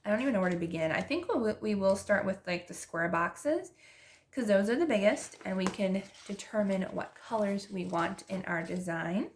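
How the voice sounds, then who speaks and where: A woman's voice: medium pitch, animated, normal speed, slight background noise. A young woman with a stuffy nose from allergies, chatting casually and gushing as she decorates her planner. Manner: chatty, gushing, restarts often. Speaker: planner vlogger.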